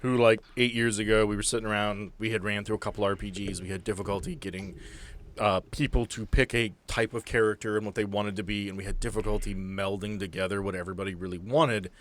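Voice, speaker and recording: A man's voice: fairly low pitch, steady tone, quick pace. A man chatting casually as game master and host of a tabletop podcast.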